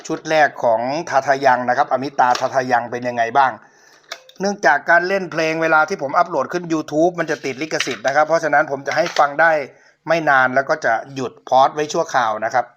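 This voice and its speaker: A man's voice: fairly high pitch, fairly bright tone, lo-fi sound, a little hiss or hum. Polite man demoing an old cassette player. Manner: polite, repeatedly addresses viewers. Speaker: channel host reviewing a cassette player for sale. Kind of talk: casual product demo.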